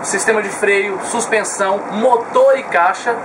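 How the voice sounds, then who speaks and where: A young man in his twenties with a Brazilian Portuguese accent, calmly explaining his motorhome to an interviewer and pausing on filler sounds. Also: sits high. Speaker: motorhome owner showing his vehicle. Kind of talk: casual interview, explaining details. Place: inside a parked motorhome. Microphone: camera mic, speaker facing the camera at close range. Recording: distant camera mic with clear background noise.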